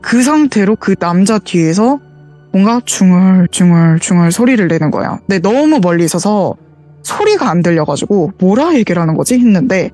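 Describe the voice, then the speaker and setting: A woman's voice: mid-range voice, lively intonation, moderate pace, dark tone, soft background music. Earnest woman caller telling a ghost story. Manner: earnest, detailed retelling with quoted dialogue. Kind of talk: casual spoken storytelling. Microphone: voice call.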